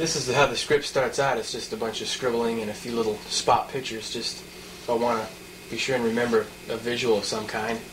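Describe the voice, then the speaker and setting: A man speaks in a monotone with flat intonation. Noticeable background noise sits behind him. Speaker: comic artist. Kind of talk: interview answer. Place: home room. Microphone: old recording.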